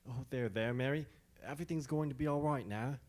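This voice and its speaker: A man's voice: medium pitch, brisk, a little mellow, natural voice. A man playing a plain-spoken, proud young bridegroom in a radio mystery play. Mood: tender, reassuring. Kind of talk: radio mystery theatre acting.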